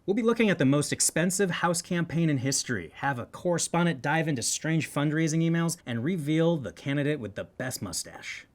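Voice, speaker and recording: A man's voice: fairly high pitch, animated, a little fast, hardly any pauses. Man hosting wry political comedy news. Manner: wry, tongue-in-cheek delivery. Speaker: host of a satirical political news show. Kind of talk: scripted comedic news commentary.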